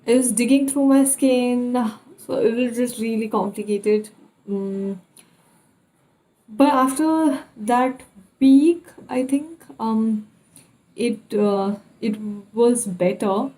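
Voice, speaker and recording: A young woman with an Indian English accent, telling personal experiences in a casual vlog style and pausing often to recall details. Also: on the high side, dark tone, poor audio. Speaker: vlogger.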